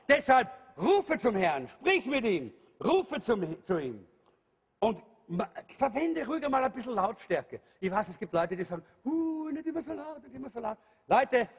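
A man preaching a sermon to a congregation, emphatic, rising to shouts and dropping low, addressing the listeners directly. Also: husky. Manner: emphatic preaching, calls out to the congregation, swings loud and soft. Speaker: pastor. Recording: long hall reverb.

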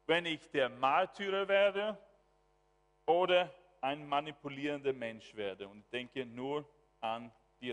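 A man preaching a sermon as pastor, swinging from quiet asides to loud exclamations. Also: a little high. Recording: long hall reverb.

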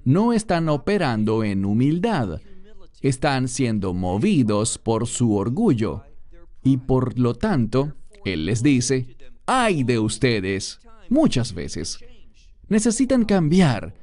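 A man's voice: medium pitch, very animated, slow pace, mellow. A man preaching a sermon, emphatic and speaking directly to his listeners.

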